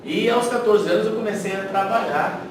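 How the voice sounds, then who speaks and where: This high-voiced middle-aged man, originally from São Paulo, Brazil, talks at a normal speed with a São Paulo Brazilian Portuguese accent. As an interview guest he casually tells stories about himself and his career. A distant mic picks him up in a very echoey, noisy room.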